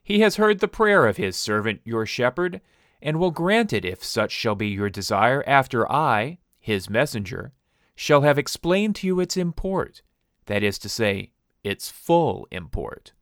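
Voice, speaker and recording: A man's voice: medium pitch, very animated, unhurried, no room sound, clean studio sound. A man voicing an aged stranger who speaks as a solemn messenger from God, grave and declaiming. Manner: grave, declaiming, rising in force.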